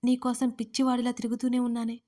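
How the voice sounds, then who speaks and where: A woman's voice: on the high side, monotone, quick pace, dark tone, natural voice. A woman voicing a remorseful young husband who pleads emotionally with his wife. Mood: pleading.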